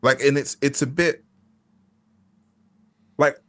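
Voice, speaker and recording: Slow and steady, with a medium pitch and fairly bright tone, a young adult actor answers interview questions as a guest. He is candid and reflective, pausing in hesitation and restarting sentences as he works through his thoughts.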